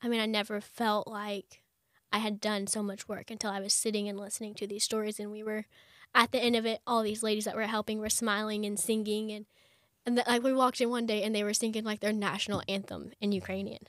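A young woman, a chatty interview guest who talks fast with lots of fillers. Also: mid-range voice, flat delivery, no room sound, studio quality. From United States. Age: young adult. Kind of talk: conversational interview.

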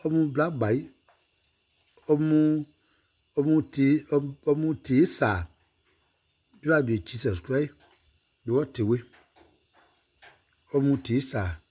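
Man, husky voice, chant-like singing, repeats short refrains, middle pitch. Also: a little mellow.

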